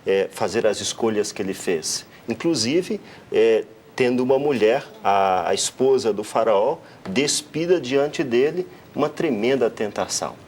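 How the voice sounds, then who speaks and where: A Brazilian man preaching like a pastor, with lively, sermon-like emphasis. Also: medium pitch, a little slow, slight background noise. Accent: Brazilian Portuguese. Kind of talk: preaching on a talk show.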